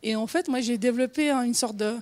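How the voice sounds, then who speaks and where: A woman in her forties from Switzerland, with a Genevan Swiss French accent, speaks at a fairly high pitch and a fast pace, her voice a little mellow. She's giving an informal conference talk, hesitant and full of fillers and restarts, laughing often.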